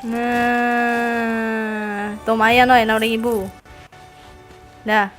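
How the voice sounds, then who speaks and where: A woman's voice: fairly high pitch, little pitch movement, extremely slow, a bit bright, soft background music. A young woman streaming a game, laughing often and sighing in exasperation at her teammate. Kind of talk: casual live-stream chat.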